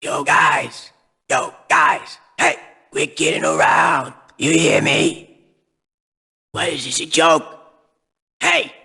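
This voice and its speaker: A man playing an irritable armed thug in a video game, with a raspy, gravelly voice. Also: a little high, steady tone, slow pace, long pauses, sharp tone, exaggerated voice. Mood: calling, impatient.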